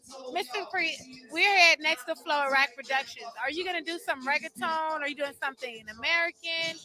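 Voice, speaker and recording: A woman's voice: high voice, fairly quick, pushed and bright. A woman hosting live interviews at a showcase event, talking in a hyped, informal, slangy way. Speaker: interviewer and host. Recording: music behind the voice. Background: music at a live showcase.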